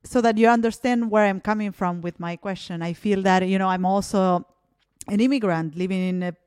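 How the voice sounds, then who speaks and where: A woman's voice: mid-range voice, steady tone, fairly quick, darkish tone, clean tone, no echo. Reflective woman from Argentina, dry sound. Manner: reflective, many fillers like "you know" and "like". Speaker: podcast host. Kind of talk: casual interview chat. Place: Berlin.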